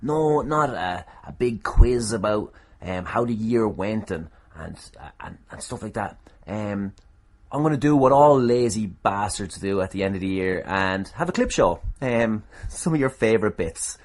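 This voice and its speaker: A man's voice: on the low side, animated, a little slow, darkish tone. An Irish man hosting a casual solo podcast, self-deprecating, irreverent and a little sweary. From Ireland. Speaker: podcast host and wrestler.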